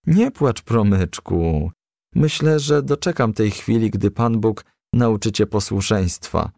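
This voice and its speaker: A man voicing a kindly, ailing, pious female firefly in a children's storybook, gently consoling. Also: on the low side, takes it slowly, gravelly, no room sound, studio quality. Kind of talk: children's storybook character reading.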